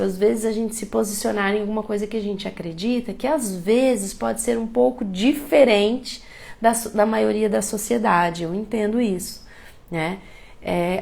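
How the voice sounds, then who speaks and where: A woman with a cold and a rough, gravelly voice, teaching chakras in a live online talk and often checking in with her listeners. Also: medium pitch, a little mellow. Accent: Brazilian Portuguese. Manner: explanatory, repeats questions, tag "né?".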